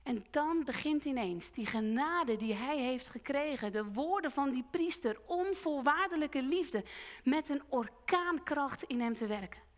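A woman preacher giving a sermon, retelling a story slowly and earnestly and voicing its characters along the way. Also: sits high, lively intonation. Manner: slow, earnest retelling with quoted voices. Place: church hall. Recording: long church hall reverb.

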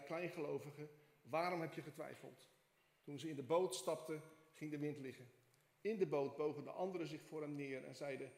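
A male pastor preaching in a church. He reads the scripture aloud with feeling and prays quietly, with some hesitations. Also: on the high side. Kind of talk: sermon with scripture reading and prayer. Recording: echoey church hall.

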